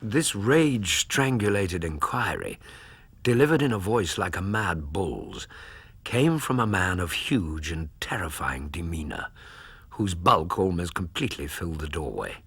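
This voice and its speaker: Doctor Watson, deep and husky. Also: male voice, sing-song, unhurried, a bit bright, dry recording, heavily acted. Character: solid, concerned male doctor and narrator. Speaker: narrator. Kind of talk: radio drama narration.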